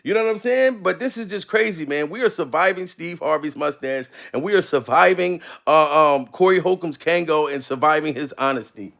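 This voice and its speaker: A man's voice: on the high side, a little fast, vocal fry, hardly any pauses, fairly bright tone. A man in his forties giving loose, profane reaction commentary, laughing often and asking "you know what I mean" again and again. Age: 40s.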